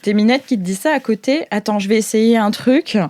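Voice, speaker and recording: A woman's voice: a little high, a little fast, darkish tone, a little hiss or hum. A woman narrating an improvised tabletop game informally as game master.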